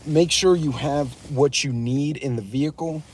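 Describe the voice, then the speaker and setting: A man's voice: fairly high pitch, moderate pace, a little hiss or hum. A man hosting a live driving vlog from his pickup truck, giving blunt, ranting road-safety advice to his chat viewers. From West Texas. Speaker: prepper channel host.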